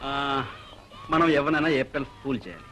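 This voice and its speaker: A man's voice: mid-range voice, sing-song, fairly quick. An actor playing a playful young man who teases his sweetheart in a film scene. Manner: teasing, playful. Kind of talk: 1980s Telugu film dialogue. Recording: film soundtrack with loud music.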